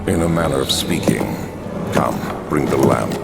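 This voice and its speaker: An actor playing a sinister, courteous old aristocrat in a video game, speaking in a deliberate, grandly formal way with a gravelly voice. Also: male voice, animated, full character voice. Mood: ominous, courtly. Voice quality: deep, gravelly. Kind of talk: theatrical video game voice acting. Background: loud music.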